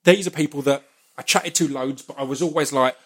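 A man's voice: medium pitch, fairly quick, slightly rough. A man with an Essex accent chatting casually as a podcast host, often repeating words as he gets his thoughts out. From Essex, England. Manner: stammering repetition of words as he talks.

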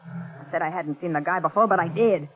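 A woman's voice: fairly low pitch, a little fast, breathy edge. An actress playing an anxious, emotional working-class sideshow woman in a 1940s radio drama, with slangy, ungrammatical speech. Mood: accusing, upset. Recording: muffled old 1940s radio recording.

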